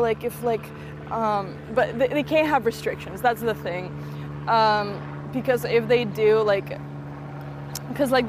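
A young woman from Spain, a photographer and director, talking in a casual walking interview with lots of "like" fillers and restarts. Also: on the high side. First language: Russian. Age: young adult. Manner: chatty, many "like" fillers and restarts. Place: outdoors on a college campus near traffic. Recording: outdoor street noise behind the voice.

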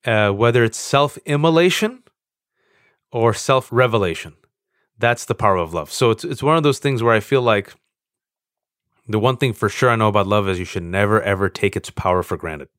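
Earnest, animated man in his forties. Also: on the low side, normal speed, no room sound, clean studio sound. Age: 40s. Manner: earnest, animated, self-mocking storytelling. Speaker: interview guest. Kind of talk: candid conversation.

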